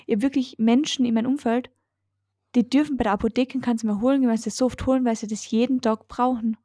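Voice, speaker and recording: Young Austrian woman for podcast chat, a bit high, dark mellow tone, blunt. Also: fairly even intonation, fast, no echo, studio quality. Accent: Austrian German. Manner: blunt, swears casually. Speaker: podcast co-host. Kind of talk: casual chat.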